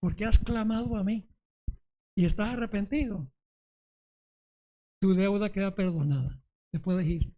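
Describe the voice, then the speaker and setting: A man's voice: high-pitched, measured pace, pauses often, dark tone, pitched below the performer's own voice. A man voicing a stern master in a parable who questions a debtor. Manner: demanding, scolding questions.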